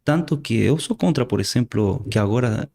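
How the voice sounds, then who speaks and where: An Argentine man, a native Spanish speaker with that regional accent, preaches during an interview in an earnest, halting way, repeating words as he goes. As guest preacher, his mid-range voice is animated, warm, creaky and a little rough.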